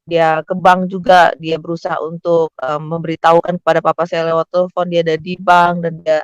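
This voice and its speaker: A man's voice: a little high, level tone, a little fast, clean tone, dry recording, poor audio. A male pastor telling a family testimony in a conversational storytelling sermon, acting out the quotes of the people in the story.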